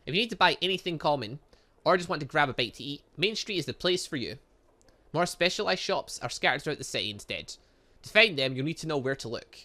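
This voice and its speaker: A man's voice: a little high, lively intonation, fast, pushed and bright. A man doing a let's play, reading visual novel dialogue aloud expressively, often stumbling over words and adding side comments. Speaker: gaming channel host.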